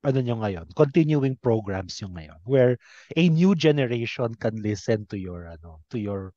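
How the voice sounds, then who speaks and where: A Filipino man with a mid-range voice conducts a casual interview, speaking politely and haltingly with English mixed in. The recording is close and dry, a little dull and muffled. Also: mid-range voice, animated, warm tone, no echo.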